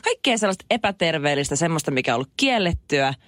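A middle-aged woman co-hosting a morning radio show, telling stories in lively casual banter and laughing often. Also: low-pitched, no room sound.

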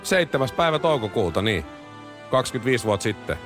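A middle-aged man hosting a morning radio show in casual, lively chat. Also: medium pitch, over music. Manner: lively, chatty, quick back-and-forth. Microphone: studio microphone.

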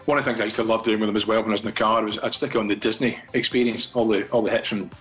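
A man's voice: on the low side, steady tone, very fast, a bit bright, soft background music, low-quality recording. An older Scottish man, a guest from a fathers' charity, chatting in a radio interview and often repeating words as he restarts his thoughts.

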